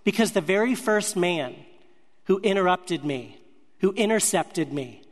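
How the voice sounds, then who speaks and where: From the pulpit, a man with a very high voice recounts his ministry testimony as a storytelling sermon, earnest, measured and animated. He speaks in short, choppy phrases, and the large hall gives them a long, ringing reverb.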